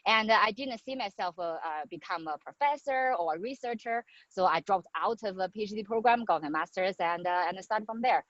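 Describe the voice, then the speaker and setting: A woman from China in her thirties, introducing herself on a video call with a halting manner full of fillers. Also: medium pitch, expressive, a bit bright, dry recording. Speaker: venture investor. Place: outdoors on a patio. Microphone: laptop mic on video call. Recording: muffled video call audio.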